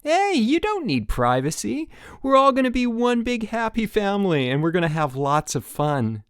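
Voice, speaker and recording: A man voicing a gung-ho young camp counselor in an audiobook, hearty, loud and over-friendly. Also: sits high, very animated, moderate pace, clear, resonant tone, dry recording, clean studio sound, pitched above the performer's own voice. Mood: upbeat.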